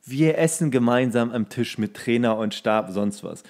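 A man's voice: medium pitch, normal speed, darkish tone. Fields: Man. Style: rambling, colloquial podcast chat. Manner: colloquial, rambling with mock-strict asides. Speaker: podcast co-host. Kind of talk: casual humorous chat.

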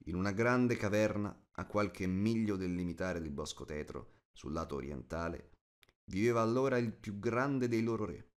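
A man narrating a fantasy audiobook as a scripted, expressive storyteller. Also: fairly low pitch, normal speed.

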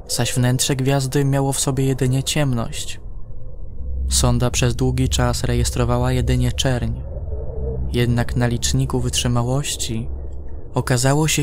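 A male narrator reads a science-fiction horror story at a very slow pace. His mid-range voice is measured, with dramatic pauses, over an ambient noise bed. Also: mid-range voice, a little mellow. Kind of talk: scripted horror sci-fi audio drama narration.

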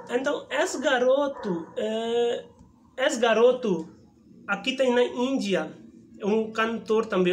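A man in his thirties from India with an Indian accent, hosting a casual reaction video from a room indoors with a lapel mic, speaking halting learner Portuguese in a chatty, excitable way. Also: sits high. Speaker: YouTube reaction host. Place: indoor room in front of a wooden backdrop. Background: music playing from the reacted video.

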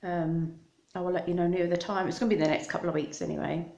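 A woman's voice: fairly low pitch, steady tone, quick pace, creaky, dark tone, roomy sound. A middle-aged woman with an English accent, chatting to her phone camera from a room in her house, rambling between topics with a dry mouth. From Scotland. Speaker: vlogger. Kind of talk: casual chat to camera. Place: small room in a house, indoors. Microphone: phone camera held close.

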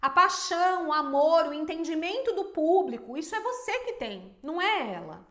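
A Brazilian woman with a very high voice talks straight to her viewers about business, emphatic and animated. She keeps throwing in rhetorical questions. The room around her is echoey. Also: normal speed. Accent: Brazilian Portuguese. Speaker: small business owner and teacher. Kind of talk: casual advice to viewers.

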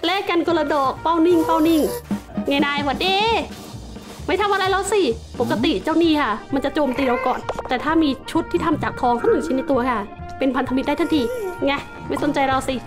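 Brief: young woman, high voice, playful game commentary, startles easily, music underneath. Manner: chatty, startled exclamations, talks to game mobs. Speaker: gaming channel host. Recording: music playing behind the voice.

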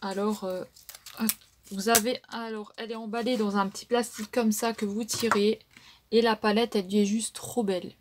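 A woman's voice: mid-range voice, little pitch movement, moderate pace, noisy background. A woman with a French accent casually reviewing makeup palettes, chatty and full of fillers. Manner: chatty, many fillers and "donc". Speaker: beauty vlogger.

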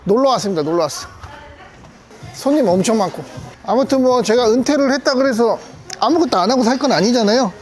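A man's voice: very high-pitched, expressive, a little fast, a little mellow, faint music behind. A man in his thirties talking casually and with self-assurance to his vlog camera. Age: 30s. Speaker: YouTuber, car collector. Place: mostly inside a car, sometimes outdoors.

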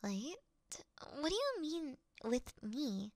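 A woman's voice: high voice, very animated, slow, a little mellow, no echo, clean studio sound, full character voice. A woman voicing a clumsy, easily scared young female thief who acts tough in an ASMR roleplay, flustered, pouty and stammering. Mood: whiny, anxious.

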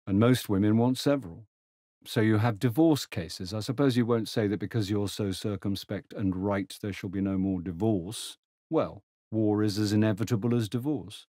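Man reading as a blunt young gentleman, lecturing, cynical, dry studio sound. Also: lowish voice, moderate pace, no echo, natural voice.

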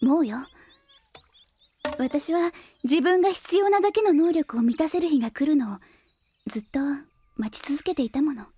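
An actress playing a determined, prickly young engineer and little sister in an audio drama, brisk, stubborn and easily exasperated. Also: female voice, high voice, lively intonation, dark tone, dry recording. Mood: resolute. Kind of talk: Japanese audio drama acting.

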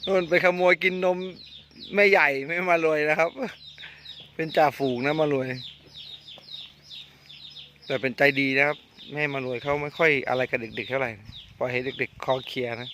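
A man filming his cattle on a farm outdoors, chatting excitedly in casual commentary and often laughing. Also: a little high, normal speed, pauses often, a little hiss or hum. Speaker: farm vlogger. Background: birds and chickens, faint outdoor ambience.

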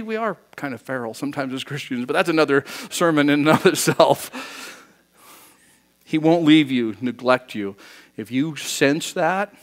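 Conversational male pastor preaching. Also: on the high side. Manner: conversational, acts out dialogue. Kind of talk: sermon. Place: church.

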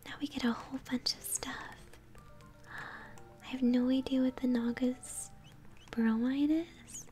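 A woman's voice: high-pitched, fairly even intonation, measured pace, warm tone. A young woman whispers ASMR game commentary, chatting encouragingly to her viewers. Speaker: game streamer. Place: indoor room at home. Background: video game music.

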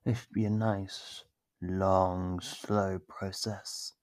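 A man's voice: low-pitched, level tone, drawn-out words, no echo. A man playing a sadistic, gloating monster who toys with captive prey in an ASMR roleplay, with a menacing, theatrical, savoring delivery. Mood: gleeful taunting. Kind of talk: ASMR roleplay, scripted monologue.

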